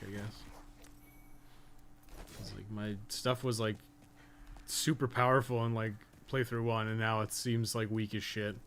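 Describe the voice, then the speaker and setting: A man giving casual live gameplay commentary, thinking aloud in a rambling, sweary way with jokey asides. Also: mid-range voice. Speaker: video game streamer, podcast co-host. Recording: clearly noisy background.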